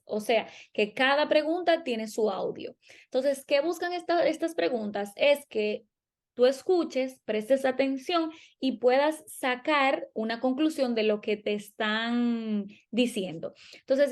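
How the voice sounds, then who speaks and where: Woman with a high voice walking viewers through test tips, talks straight to them, lots of examples. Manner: instructive, addresses listeners directly with examples. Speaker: podcast co-host. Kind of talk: explaining exam strategy to viewers.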